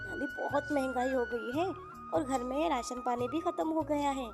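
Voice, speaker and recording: A woman's voice: high voice, normal speed, music in the background. A woman voicing a poor, worried and protective mother in a children's story, plaintive and emphatic. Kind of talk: children's moral story character acting.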